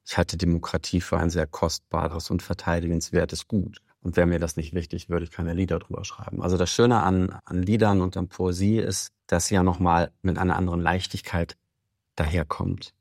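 Man, very low voice, musician guest, measured and reflective, dry close studio mic. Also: level tone, gravelly, a little mellow, dry recording. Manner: reflective, measured, lots of "also". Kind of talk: radio interview.

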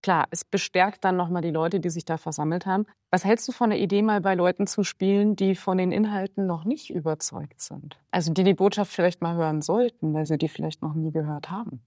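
Low-pitched woman radio host, dry studio. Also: a little fast, few pauses, dry recording. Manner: calm, prepared questions. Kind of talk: radio interview.

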